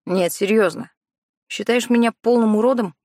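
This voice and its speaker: A woman's voice: fairly high pitch, moderate pace, dark tone, dry recording, studio quality, close to an everyday voice. Woman doing a cocky teasing schoolboy. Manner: teasing, self-assured.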